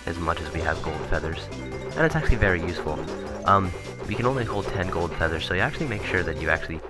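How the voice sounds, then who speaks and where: A man commentating casually on a video game he is playing, rambling and correcting himself, his voice turning raspy. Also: deep voice, expressive, fast. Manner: rambling, self-correcting, chuckling asides. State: voice getting raspy. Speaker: let's play commentator. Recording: game music playing behind.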